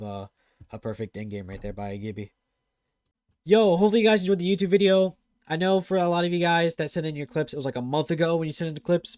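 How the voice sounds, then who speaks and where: Excitable, fast-talking male gaming host. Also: mid-range voice, dry recording, clean studio sound. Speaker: gaming channel host reviewing viewer clips. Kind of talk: casual commentary over gameplay clips.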